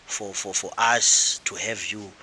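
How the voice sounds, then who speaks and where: A man hosts an interview, prompting his guest in a friendly way and dropping in many short affirmations. His voice is lowish and very bright and tense in tone. A steady hiss sits under the recording. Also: unhurried. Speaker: interview host. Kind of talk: casual interview questions, mixing Zulu and English.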